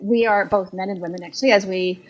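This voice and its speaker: A middle-aged woman with a Canadian accent, speaking as a clinician guest on a podcast. She lays out research earnestly and in detail, building her points step by step, with a voice of middling pitch. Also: fairly even intonation, fast, highs cut off. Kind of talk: podcast interview over a call.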